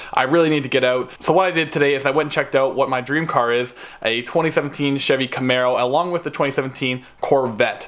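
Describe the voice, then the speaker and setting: Over noticeable background noise, a man talks at a very fast pace. His pitch is fairly high, with ordinary variation. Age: young. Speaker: YouTuber. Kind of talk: vlog. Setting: in a car. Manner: loud.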